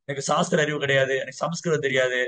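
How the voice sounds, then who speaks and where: A man's voice: medium pitch, fairly even intonation, quick pace, fairly bright tone, pitched below the performer's own voice, natural voice. A man voicing a humble, illiterate brahmin who pleads in a self-deprecating way. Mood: humble pleading.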